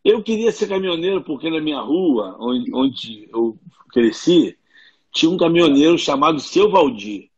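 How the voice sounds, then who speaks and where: Husky Carioca man on a video call. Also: fairly high pitch, expressive, moderate pace, darkish tone, highs cut off. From Rio de Janeiro, Brazil. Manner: chatty storyteller, laughs often. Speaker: guest. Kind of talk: casual video-call interview.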